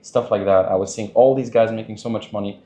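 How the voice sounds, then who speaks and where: A man talking casually as a podcast guest, loose and chatty, laughing often and filling pauses with "like" and "you know". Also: on the low side, steady tone, dark tone, reverberant. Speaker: podcast guest, dating coach. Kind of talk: casual interview talk.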